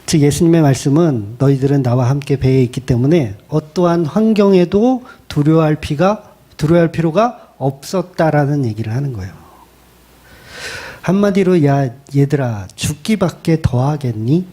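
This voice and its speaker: A male pastor giving a colloquial, animated sermon and acting out quoted lines. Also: on the high side, moderate pace.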